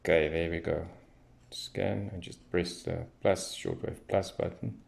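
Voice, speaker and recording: A man's voice: low-pitched, steady tone, unhurried, vocal fry, a little mellow, slight background noise. A man giving casual hands-on commentary as a radio hobbyist, thinking aloud as he tests. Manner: unscripted, thinking aloud while testing.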